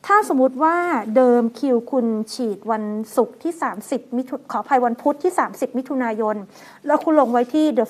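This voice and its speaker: A woman co-hosting a news show, chatting and reading out schedules with soft polite particles. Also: high voice.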